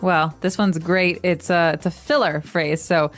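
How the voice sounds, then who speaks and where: A woman's voice: lowish voice, fairly even intonation, measured pace. Woman cohost on an english learning podcast, chatty, acts out little example lines, faint music behind. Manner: explains phrases with acted example lines. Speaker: podcast co-host. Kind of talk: casual teaching chat.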